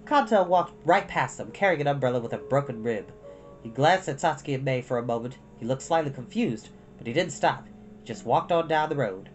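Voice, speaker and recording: Low-voiced, lively woman reading a story. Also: fairly quick, faint music behind. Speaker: storytime reader. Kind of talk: expressive children's storybook narration.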